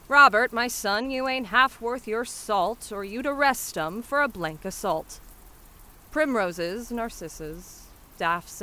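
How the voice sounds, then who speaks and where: A woman voicing a brash, warm-hearted young Cockney flower seller who scolds and hawks her wares in a dramatic poem. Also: medium pitch. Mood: indignant, hawking, then scolding, exasperated. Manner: street-hawker cries, scolding and dropping h's. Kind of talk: dramatic poetry performance.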